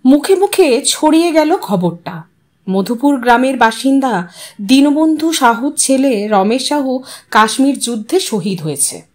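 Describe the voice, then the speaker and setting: A woman narrating a scripted literary audio story in an expressive, dramatic storytelling manner. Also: high voice, measured pace.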